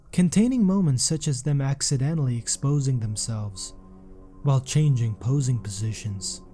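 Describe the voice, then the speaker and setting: Guy narrating a sports doc, mellow low-key tone, soft music under him. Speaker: documentary narrator. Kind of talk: scripted documentary narration.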